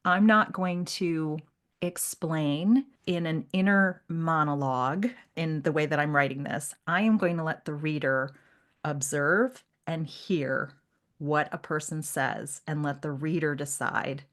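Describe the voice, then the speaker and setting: A woman with a slightly low voice talks as a podcast co-host in a casual literary discussion. She is animated and conversational, often voicing imagined remarks as she explains her thoughts. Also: slow pace.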